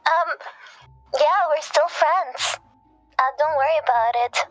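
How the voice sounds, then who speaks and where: A woman's voice: high-pitched, unhurried, rough recording. A woman chatting casually as a called friend, hesitant and supportive in manner. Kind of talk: casual phone chat. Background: music.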